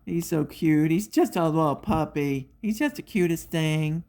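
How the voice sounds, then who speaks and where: Chatty middle-aged woman, lowish voice. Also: unhurried. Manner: chatty, animated storytelling with quoted voices. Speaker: craft video host. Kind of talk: casual chat while diamond painting.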